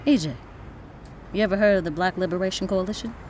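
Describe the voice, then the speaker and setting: A woman's voice: mid-range voice, quick pace, a little mellow, a little hiss or hum, close to an everyday voice. An actress in an audio drama playing a bold, protective woman activist who is kindly to strangers and speaks firm, coaxing Black American vernacular. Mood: coaxing, earnest. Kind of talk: naturalistic audio drama acting.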